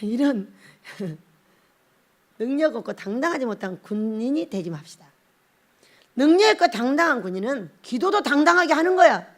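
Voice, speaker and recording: Woman pastor preaching, high voice, very lively pitch, blunt and scolding. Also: a little fast. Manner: blunt, scolding and emphatic, acts out little scenes. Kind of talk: sermon.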